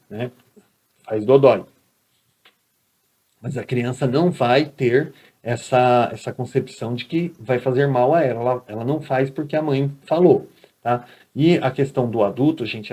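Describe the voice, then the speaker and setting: Speaking in a warm, mid-range voice, a teacher with a Brazilian Portuguese accent delivers a recorded lecture. His style is conversational, and he often pauses to check in with his audience.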